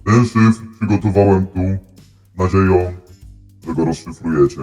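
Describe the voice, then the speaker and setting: A man voicing a secretive masked male professor through a voice modulator that shifts his pitch very deep, speaking in slow, cryptic pronouncements. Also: a little mellow, soft background music. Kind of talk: game roleplay.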